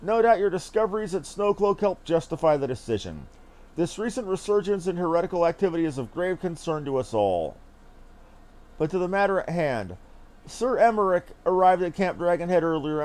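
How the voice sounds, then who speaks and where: A man's voice: sits high, big pitch swings, fairly quick, darkish tone. A man voicing a gracious, hearty knight lord from a fantasy game, with courtly, effusive and formal speech. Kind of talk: theatrical read-aloud of fantasy game dialogue.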